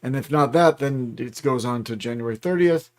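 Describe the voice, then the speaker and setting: A man's voice: medium pitch, moderate pace, a little mellow. Joking man co-hosting a podcast. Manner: joking, playful. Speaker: co-host. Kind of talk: casual podcast banter.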